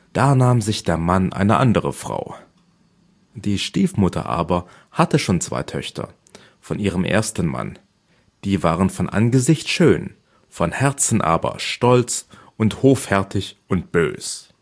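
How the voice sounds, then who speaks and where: A man narrates a fairy tale in a calm, measured way. His voice sits very low and has a slightly husky edge. The reading flows steadily, like an audiobook.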